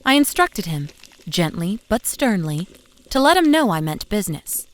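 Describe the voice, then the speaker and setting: Young mom narrator, played by an actress: medium pitch, fond yet anxious, conversational, expressive audio drama storytelling. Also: female voice, moderate pace, lightly acted, poor audio. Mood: fond, patient. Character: loving, anxious young mother narrating her memories. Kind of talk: first-person scripted audio drama narration. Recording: faint music behind narration.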